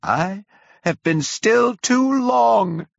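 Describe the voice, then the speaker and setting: A man's voice: animated, unhurried, vocal fry, dry recording, full character voice. A man voicing a frenzied male curate who rants like a doomsaying prophet. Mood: defiant. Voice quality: shrill, wailing preacher's cry. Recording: dull, lo-fi.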